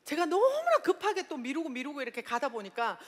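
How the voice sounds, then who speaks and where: Bright, lively woman on stage. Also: sits high, a little fast. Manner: loud, exclaiming, laughs often. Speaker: seminar speaker. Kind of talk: motivational seminar talk. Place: large seminar hall. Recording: reverberant hall.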